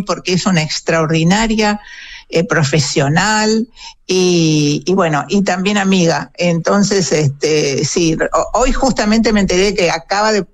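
A woman with an Argentine Rioplatense accent, a guest historian and author, explaining eagerly and chattily with plenty of fillers. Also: medium pitch. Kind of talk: conversational interview.

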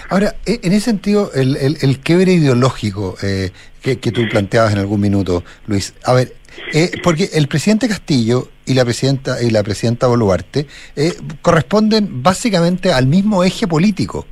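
Male radio host, mid-pitched voice, halting questions full of fillers. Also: expressive, a little mellow. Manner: halting, many fillers and repeated words.

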